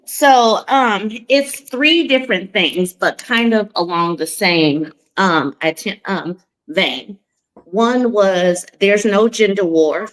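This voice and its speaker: A woman in her mid forties co-hosts a casual live chat, her voice pitched in the middle for a woman. She talks in an easygoing way with plenty of ums and leans on catchy rhymes. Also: slow, a bit bright, rough recording. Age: 40s. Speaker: co-host.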